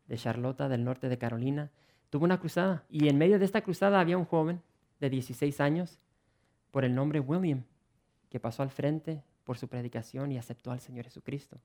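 A man preaching a sermon in an earnest, animated way, repeating words and restarting phrases as he asks his listeners rhetorical questions. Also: mid-range voice. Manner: earnest and animated, with frequent word repetitions and restarts.

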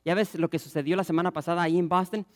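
Pastor guy preaching hard, kinda high voice, acts out the crowd yelling. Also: steady tone, very fast. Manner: passionate, acts out crowd shouts and quotes. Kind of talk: sermon.

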